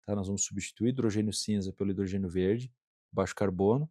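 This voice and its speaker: A man's voice: lowish voice, fast, warm tone, no echo. Earnest Brazilian man, dry close sound. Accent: Brazilian Portuguese. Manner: earnest, frequent "né" tag questions, repeats words. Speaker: industrial plant manager, guest. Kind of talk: conversational interview answers.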